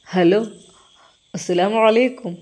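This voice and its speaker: A woman's voice: mid-range voice, takes it slowly, a little mellow, natural voice. A woman voicing a desperate wealthy Arab father pleading for help on the phone in a told story. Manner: pleading, anxious.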